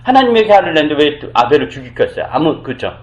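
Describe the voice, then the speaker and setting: A man's voice: fairly high pitch, big pitch swings, fast, lo-fi sound. A male pastor preaching a conversational sermon, explaining by posing questions to the congregation and acting out quoted lines. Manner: explains by asking rhetorical questions, acts out quoted speech.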